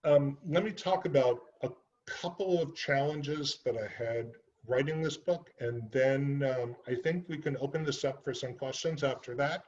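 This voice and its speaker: A man's voice: medium pitch, normal speed, a little mellow, lo-fi sound. A man giving an author talk, speaking earnestly and unhurriedly about his book, with frequent ums and uhs. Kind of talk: library author presentation.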